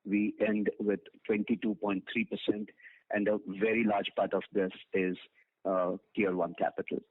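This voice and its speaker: A man's voice: lowish voice, level tone, moderate pace, no echo. A man with an Indian accent giving a formal financial briefing as a finance executive, reading out figures matter-of-factly with hesitations. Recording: narrow tinny phone conference line.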